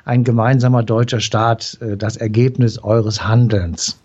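A man with a husky, mellow voice explaining history patiently in a relaxed conversation, stopping on filler sounds as he lays out each point. The recording sounds a little dull and lo-fi. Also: mid-range voice, measured pace. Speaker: history expert guest.

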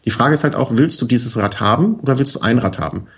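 A bicycle expert appears as a guest in a casual chat, offering practical advice in a mid-range, gravelly voice with a breathy edge. He talks fast but relaxed, explaining step by step and checking in often with "ne?" tags and fillers.

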